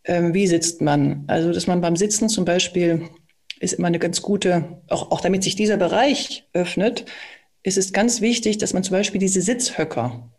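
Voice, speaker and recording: Calm, explanatory speaking coach. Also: medium pitch, moderate pace. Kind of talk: coaching conversation with demonstrations.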